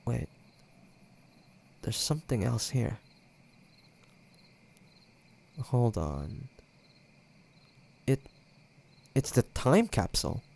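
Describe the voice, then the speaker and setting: Creaky young man, acted, slow-paced, teasing, hesitant, nostalgic ex-boyfriend, conversational audio drama. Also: mid-range voice, big pitch swings, a little mellow, full character voice. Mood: surprised. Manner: teasing, hesitant, casual banter with trailing pauses.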